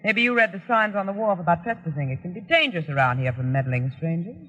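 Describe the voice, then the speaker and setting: A woman's voice: on the low side, very animated, fast talker, a bit bright. An actress playing a brusque, guarded woman boss of a dockside outfit in an old radio drama. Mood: guarded, curt. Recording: dull, echoing old radio recording.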